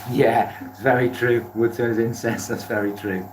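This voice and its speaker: A Welsh man talks casually to live viewers in an echoey workshop, with loud machinery running behind him. His pitch is mid-range, and he is chatty, often saying things twice for emphasis. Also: little pitch movement, moderate pace. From Wales. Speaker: live streamer, beginner woodturner. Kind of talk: casual livestream chat while working. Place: indoor woodturning workshop. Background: lathe motor rumble.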